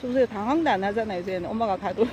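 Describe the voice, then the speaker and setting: A woman's voice: mid-range voice, racing, a little mellow, lo-fi sound, slight background noise. A woman walking her dogs outdoors, chatting casually on a phone live stream and fondly scolding her pets. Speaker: dog owner live-streaming a walk. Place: outdoors on a walking path by stepping stones.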